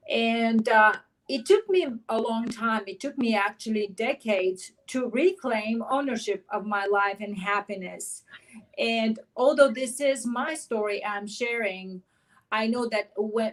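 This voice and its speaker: A middle-aged woman from Bulgaria speaks as a guest, telling her life story earnestly. Her voice sits a little higher than most women's. She speaks with energy and conviction. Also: rough recording. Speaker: author and life coach, guest. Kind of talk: personal storytelling in an interview.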